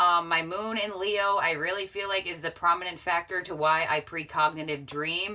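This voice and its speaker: Speaking at a moderate pace in a medium pitch, a woman sounds animated, with ordinary pitch variation. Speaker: tarot reader and spiritual content creator. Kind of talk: casual personal talk to viewers. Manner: animated, excitable.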